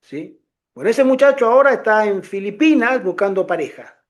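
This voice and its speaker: Middle-aged guy talking to his church, high-ish voice, animated storyteller, does the voices of people he quotes. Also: normal speed. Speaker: lay ministry speaker. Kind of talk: informal testimony to a congregation.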